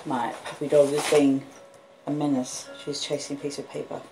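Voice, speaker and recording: A woman with an Australian accent chats casually as host of a livestreamed book reading, rambling along with halting pauses. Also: sits low, level tone, music in the background. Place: front room of a house with street noise. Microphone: phone and an old laptop. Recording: noisy home phone recording. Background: street noise, house creaks, puppy, lo-fi beats.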